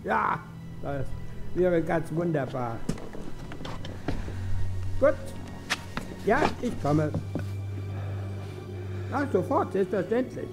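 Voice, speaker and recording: A man's voice: high-pitched, sing-song, drawn-out words, pauses often, over music, exaggerated voice, poor audio. An actor playing a tense, secretive man who is curt with his companion in a horror audio drama.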